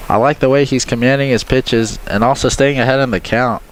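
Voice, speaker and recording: A man doing play-by-play commentary for a college baseball game in a measured, even way. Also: medium pitch, noisy background. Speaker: play-by-play announcer. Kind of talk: sports commentary.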